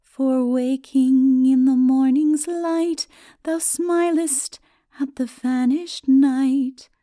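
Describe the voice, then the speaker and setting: An ancient fairy dame acted by a woman sings solemn, tender verse from a storybook. Her voice rises high and moves very slowly, drawing out each phrase. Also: warm tone, dry recording, clean studio sound. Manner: sings in slow, drawn-out phrases. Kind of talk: sung verse in a dramatic audiobook reading.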